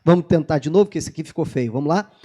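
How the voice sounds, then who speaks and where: A man's voice: on the high side, racing. A man preaching a sermon as pastor, joking with the congregation and acting out Bible dialogue. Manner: lively, jokes with the congregation, acts out Bible dialogue.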